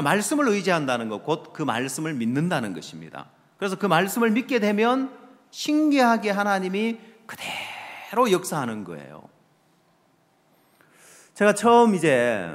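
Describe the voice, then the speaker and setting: A middle-aged male pastor, preaching a sermon with lively rhetorical questions to the congregation and low trailing asides. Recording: long reverb of a large hall.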